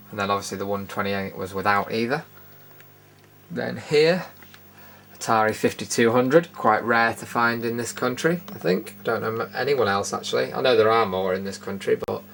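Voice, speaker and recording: A British man with a lowish voice and a good deal of creak talks through a show-and-tell tour in a casual, unscripted way. He is matter-of-fact with dry opinions. There is clear noise behind him in the recording. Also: steady tone, moderate pace, fairly bright tone. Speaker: video host giving a tour. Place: indoor room studio. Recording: noticeable background noise.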